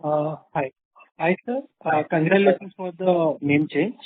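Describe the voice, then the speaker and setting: Male analyst caller, Indian accent, high pitch, deferential unscripted questioning, boxed-in phone sound. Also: normal speed, slightly rough, no room sound. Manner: deferential, hesitant. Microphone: telephone. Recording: dry tinny phone line.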